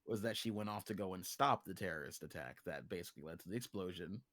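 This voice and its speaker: A man's voice: sits low, fast talker, a bit bright, no echo. A man in casual conversation as a livestream guest, explaining things informally. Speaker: livestream guest, character creator. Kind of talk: casual chat explaining a fictional character.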